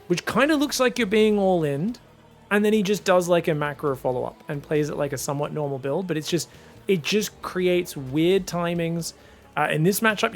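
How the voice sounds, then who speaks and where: Young male game caster, high creaky voice, informal and animated, music behind. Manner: animated, informal, addresses viewers as guys. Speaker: esports commentator. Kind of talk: casual live game commentary.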